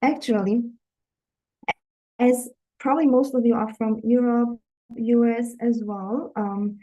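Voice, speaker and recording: A woman's voice: a little high, steady tone, slow, dark tone, rough recording. A woman from Germany, a dating coach, speaking to viewers in an earnest, encouraging live webinar talk.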